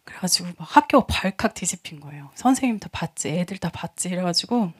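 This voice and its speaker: A woman pastor in her thirties delivers a testimony sermon, telling stories with energy, imitating her friends' voices and laughing often. Her voice sits on the low side with a breathy edge, and she speaks a little fast.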